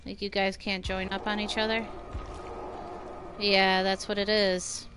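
Slow-talking woman streamer chatting. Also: mid-range voice, little pitch movement, background noise. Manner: easygoing, chatty, thanks viewers by name. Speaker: livestream gamer. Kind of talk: casual live-stream chat.

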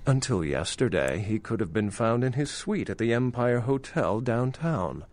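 A man's voice: medium pitch, big pitch swings, a little slow, a little mellow. An actor playing a scholarly vampire in a video game, an articulate, formal man with a dry, wry manner. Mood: matter-of-fact. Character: urbane, scholarly male vampire archaeologist, dry and knowing. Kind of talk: video game dialogue acting.

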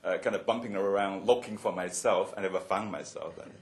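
A man in his seventies from Hong Kong, sharing childhood memories at a roundtable, with many fillers and restarts and frequent chuckles. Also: sits low. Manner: halting, many fillers and restarts, laughs often. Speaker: roundtable speaker. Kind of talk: personal reminiscence at a panel.

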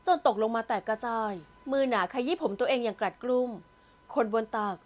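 A woman narrating a romance audio novel in a steady storytelling manner. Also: on the high side, fairly quick.

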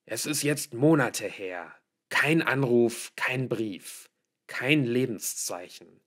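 A man's voice: mid-range voice, lively intonation, slow pace. Man playing a frustrated, pleading middle-aged father. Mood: insistent, pleading. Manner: emphatic, insistent.

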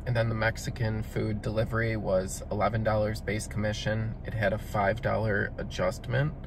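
Man in casual narration, lowish voice, explains step by step. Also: background noise. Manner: matter-of-fact, step-by-step explaining. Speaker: delivery driver vlogger. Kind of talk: narrated voice-over review.

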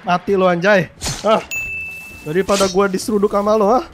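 Young Indonesian man, fairly high voice, casual game commentary, swears a lot. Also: normal speed, music in the background. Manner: excitable, slangy, swears in English often. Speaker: gaming YouTuber.

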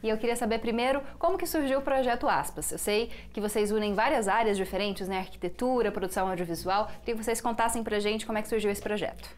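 A young woman from Brazil hosting a TV studio interview, reading a polished scripted intro and asking clear questions. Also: mid-range voice, fast talker, hardly any pauses. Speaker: TV host. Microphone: lapel mic.

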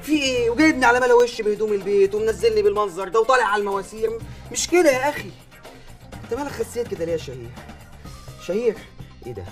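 An easygoing man caught up in a comic scheme in an Egyptian film. He speaks very fast, and his voice rises and falls a lot. Film music plays in the background. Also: high-pitched, expressive.

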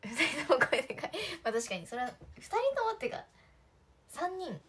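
Young woman, livestream host, casual chatty, giggly, breathy, a bit high-pitched. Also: big pitch swings, normal speed, a bit bright. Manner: chatty, giggly, talks to viewers' comments.

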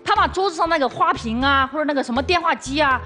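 Fast indignant woman on a studio stage. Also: high voice, sharp tone, faint music behind. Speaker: show guest. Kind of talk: heated complaint about partner.

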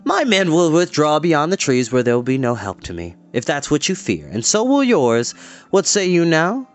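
A man voicing a cruel, cocky brigand leader in an audiobook, taunting and menacing with theatrical, drawn-out delivery. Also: on the high side, sing-song. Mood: goading.

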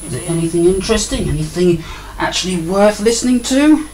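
A woman's voice: lowish voice, expressive, a little fast, a little mellow, poor audio. Wry woman tinkering at a workbench. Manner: chatty, wry, apologetic asides. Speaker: hobbyist radio tinkerer. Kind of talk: casual demo commentary. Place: indoor workbench. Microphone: desk microphone near an amplifier.

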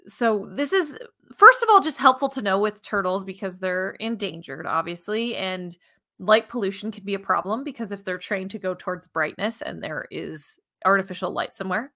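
Bright-voiced American woman explaining science. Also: medium pitch. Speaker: science podcast co-host. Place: living room at home, indoors. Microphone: headset on a video call.

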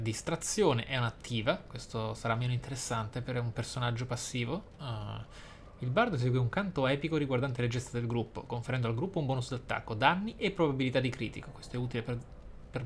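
A man's voice: mid-range voice, fairly quick, a little hiss or hum. A man giving video game commentary in wordy, formal phrasing. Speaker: video game let's player. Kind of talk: game commentary, reading skill descriptions aloud.

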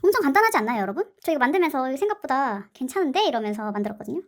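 This slime and clay craft host races through her casual tutorial narration in a high, sing-song voice. She chats playfully and adds cute sound words as she works.

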